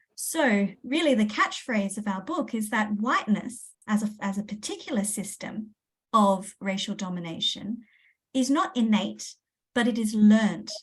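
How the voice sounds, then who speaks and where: A woman's somewhat breathy, fairly high voice in an Australian accent, with ordinary pitch variation. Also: moderate pace. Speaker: professor. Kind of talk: lecture. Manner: halting, many fillers.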